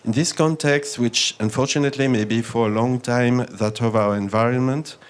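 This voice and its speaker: A man with a strong French accent giving a measured, formal conference talk with frequent hesitations. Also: medium pitch, fairly even intonation, clear, resonant tone. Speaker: panel speaker.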